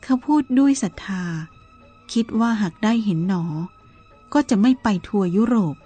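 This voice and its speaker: A woman reading a Buddhist novel aloud in a calm, measured storytelling manner, with soft music behind her. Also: fairly high pitch. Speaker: narrator.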